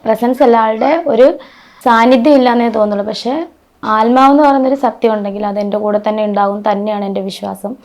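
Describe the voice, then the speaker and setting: A woman's voice: a little high, fairly even intonation, fast talker, darkish tone. A woman guest in an interview, talking earnestly about personal memories, often restarting her sentences. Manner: earnest, rambling with frequent restarts. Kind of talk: emotional personal recollection.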